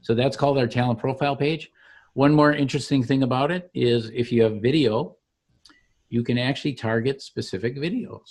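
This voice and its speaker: A man giving an informal software demo as a company founder, explaining each click like a salesman. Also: mid-range voice, a little fast. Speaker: company founder demonstrating his product.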